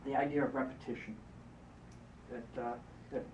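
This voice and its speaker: A hypnotist guiding a volunteer through a live exercise, repeating encouraging instructions. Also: male voice, mid-range voice, fairly even intonation, normal speed, background noise. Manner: coaching, repetitive, encouraging. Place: event room. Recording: roomy, distant, muffled live event recording.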